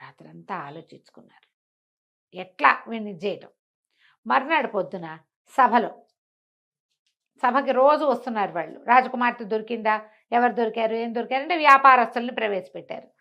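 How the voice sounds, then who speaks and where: A woman with a Telugu accent telling a folk tale in an animated, conversational way, posing questions and answering them herself as a storyteller. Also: fairly high pitch, normal speed, gravelly, long pauses, muffled recording.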